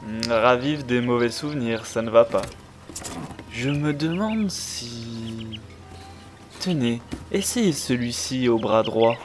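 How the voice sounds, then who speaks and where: A man voicing a mysterious old shopkeeper who speaks in a drawn-out, ominous way, in a fan cartoon dub. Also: mid-range voice, expressive, over music. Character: slow, mysterious old male headband seller.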